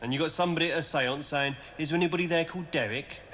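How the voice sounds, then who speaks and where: Deadpan man in a noisy recording. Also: fairly high pitch, very fast. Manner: dry, deadpan delivery rising to indignant rant. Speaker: comedian in sketches. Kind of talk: sketch comedy acting.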